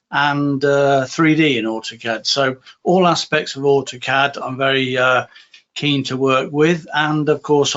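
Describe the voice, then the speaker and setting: A man's voice: mid-range voice, a bit bright, muffled recording. Upbeat man on a webinar call. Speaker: application specialist and trainer. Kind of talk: casual self-introduction on a webinar.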